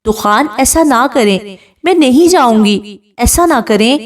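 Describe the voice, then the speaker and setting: A woman's voice: a little high, expressive, close to an everyday voice. A woman reading as a frightened young bride. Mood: pleading. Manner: pleading, tearful. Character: young bride, defiant then pleading.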